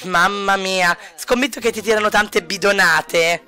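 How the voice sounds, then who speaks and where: A man's voice: sits high, steady tone, measured pace, sharp tone, clear, resonant tone, faint music behind, heavily acted. A man voicing a laid-back, cocky joker in a life-sim game playthrough, teasing and ribbing in an easygoing way. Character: lazy, joking, cocky man who teases.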